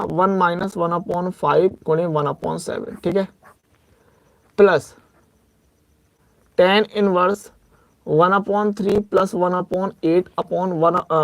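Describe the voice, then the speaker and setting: A man's voice: high-pitched, dry recording. A young man teaching an exam-prep maths lecture, working through sums aloud and repeating reminders to be careful. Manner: drills reminders, works sums aloud step by step; slows to dictate formulas, speeds up for asides.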